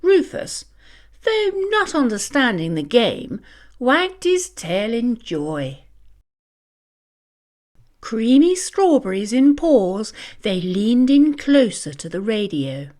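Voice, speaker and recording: A woman reads a children's story aloud. Her voice is fairly high and highly animated, and she takes her time over each phrase in a theatrical way. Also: slow. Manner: theatrical, expressive. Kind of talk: scripted storybook narration.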